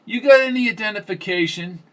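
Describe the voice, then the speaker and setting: A man's voice: on the high side, lively intonation, a little slow, fairly bright tone. A man voicing a blunt, foul-mouthed older landlady who gossips and curses freely. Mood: brash.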